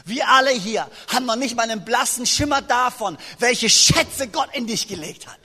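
A man preaching a sermon to a congregation, lively and joking as he speaks straight to his listeners. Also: extremely high pitch, moderate pace, slightly rough. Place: church hall. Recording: long reverb of a large hall.

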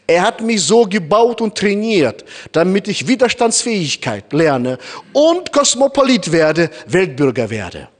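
Animated preacher with a foreign accent. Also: male voice, high voice, a little slow. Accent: Kazakh-born, speaking German with a noticeable foreign accent. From Kazakhstan. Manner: animated, addresses the congregation directly, acts out little scenes. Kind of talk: sermon.

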